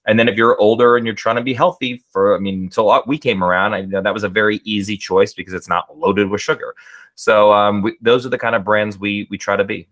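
A man's voice: lowish voice, steady tone, brisk, fairly bright tone. A man talking as a guest in an interview about building a brand, explaining earnestly at length. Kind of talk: casual interview answers.

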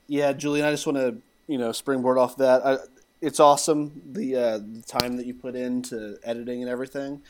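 A man's voice: medium pitch, little pitch movement, fairly quick. Man, podcast co-host, casual chat, earnest, explanatory.

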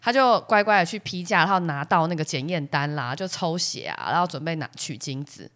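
A woman's voice: deep voice, a little fast. A woman co-hosting a casual chat podcast with a Taiwanese Mandarin accent, telling a story and acting out the people in it, with English words dropped in. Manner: animated, acts out the other people in her stories. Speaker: podcast co-host.

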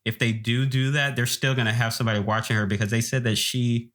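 A man co-hosting a casual chat, trading gossip in a teasing, animated way. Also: mid-range voice, fast.

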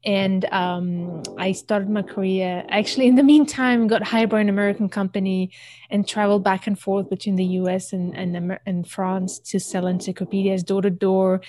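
A woman from Algeria, an entrepreneur and podcast guest, telling her story in an animated way and laughing often. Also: mid-range voice. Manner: animated, laughs often, talks fast in bursts. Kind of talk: casual interview storytelling.

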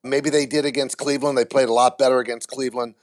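A man's voice: mid-range voice, level tone, fast talker. A man speaking as an interview guest, candid and blunt, with vivid comparisons. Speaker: baseball TV play-by-play announcer, guest.

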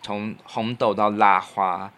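A man speaks in a fairly low voice with a Taiwanese Mandarin accent. He sounds like a podcast co-host and radio producer thinking aloud in casual conversation. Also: steady tone, takes it slowly, sharp tone. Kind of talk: casual reflective chat.

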